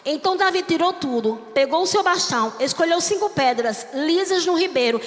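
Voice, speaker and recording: A woman missionary, preaching in a church with a repetitive, impassioned cadence that rises to shouts. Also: very high-pitched, animated, fairly quick. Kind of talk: Pentecostal-style sermon. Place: church sanctuary. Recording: long church hall reverb.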